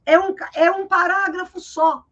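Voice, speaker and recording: A woman teacher with a Brazilian Portuguese accent, explaining literature in a live interview over a video call, in a lively, explanatory way that keeps checking in with her listener. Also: extremely high pitch, moderate pace, lo-fi sound. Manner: lively and explanatory, tags sentences with "né?".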